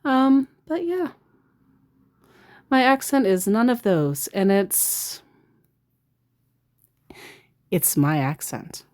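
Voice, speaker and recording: Sarcastic woman with a lively voice. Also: mid-range voice, extremely slow, long pauses. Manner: sarcastic, mocking. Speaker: scam baiter. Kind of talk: casual vlog narration.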